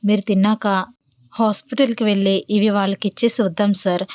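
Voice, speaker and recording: A woman's voice: mid-range voice, little pitch movement, brisk, no echo, studio quality, natural voice. Woman voicing a teasing, caring young woman. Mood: earnest. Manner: gentle, persuasive, playfully teasing. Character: cheerful, caring young woman who teases.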